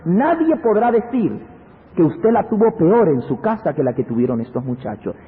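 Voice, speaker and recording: A man's voice: very animated, brisk, slightly rough. A man preaching a sermon, retelling a Bible story dramatically and calling his listeners brothers. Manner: dramatic storytelling, swinging from low hushed to high exclaiming. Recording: tinny phone-like radio broadcast with long reverb.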